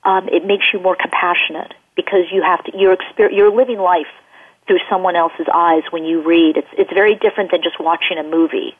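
A woman's voice: lowish voice, steady tone, brisk, husky. A woman children's book author speaking in an interview, rambling along with many fillers and restarts. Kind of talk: casual interview over the phone. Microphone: telephone. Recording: tinny phone line.

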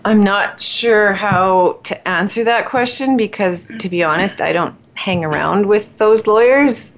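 Low gravelly-voiced woman lawyer. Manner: thoughtful, measured, many pauses with fillers. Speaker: collaborative family lawyer. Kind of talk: conversational interview answers. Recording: dull lo-fi audio.

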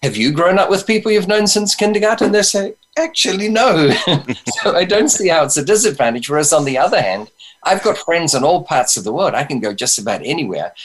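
A man with a slightly high voice tells stories as a podcast guest. His humor is wry and self-deprecating, and he often chuckles at his own lines. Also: expressive, brisk, fairly bright tone. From New Zealand. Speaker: interview guest. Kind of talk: storytelling in interview.

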